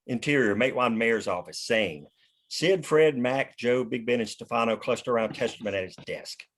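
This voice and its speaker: A man's voice: mid-range voice, normal speed. A man reading scripted stage directions as the narrator of a screenplay table read.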